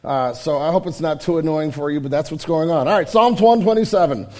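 Hoarse, high-voiced male preacher. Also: fairly quick, a little mellow. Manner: earnest, emphatic preaching with repetitions. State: hoarse, raspy from yelling. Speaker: pastor. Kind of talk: sermon. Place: church sanctuary.

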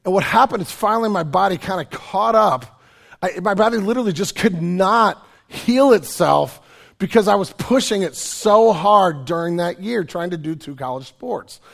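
A middle-aged pastor preaches a sermon conversationally, poking fun at himself with joking asides. A cold has left his high voice raspy and hoarse, though it stays expressive and fairly bright at a moderate pace.

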